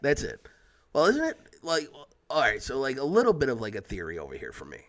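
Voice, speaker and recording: A man hosts a podcast in a relaxed, casual way. He talks loosely and freely, dropping "like" and "dude" into almost every sentence. His pitch and pace sit right in the middle. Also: a little fast. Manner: laid-back, says "like" and "dude" often. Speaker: podcast host. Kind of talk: casual chat.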